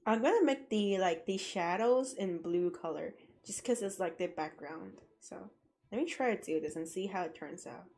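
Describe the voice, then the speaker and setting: A woman's voice: medium pitch, expressive, moderate pace, a little mellow. A young woman streaming as a VTuber while drawing, chatting casually and rambling with lots of fillers, her throat a bit sore. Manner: rambling, filler-heavy, self-deprecating. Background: faint music.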